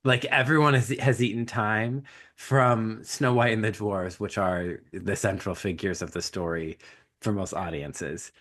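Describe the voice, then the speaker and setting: A man's voice: lowish voice, fairly even intonation, a little slow, fairly bright tone. A man hosting a podcast, talking casually through his thoughts on film. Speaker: podcast host.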